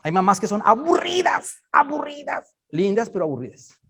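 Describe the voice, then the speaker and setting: A man's voice: high-pitched, huge pitch swings, brisk. Brief: male preacher, chatty, emphatic teaching tone. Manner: conversational, emphatic, checks listeners understand. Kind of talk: Bible study sermon.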